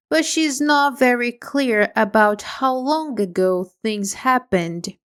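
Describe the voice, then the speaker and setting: Slow, measured woman storyteller. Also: fairly high pitch. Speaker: story reader. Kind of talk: slow read-aloud for English learners.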